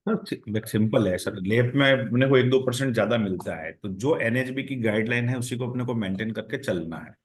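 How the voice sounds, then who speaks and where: A man's voice: mid-range voice, normal speed, hardly any pauses. A man with an Indian accent answering as a company executive on an earnings call, explaining step by step and repeating phrases for emphasis.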